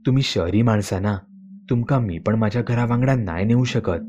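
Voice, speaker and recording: A helpless village peon with a Malvani accent apologetically explains he cannot help the city folk. His voice is low and mellow, read in by a man narrating a horror story. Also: moderate pace, lo-fi sound, natural voice. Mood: apologetic.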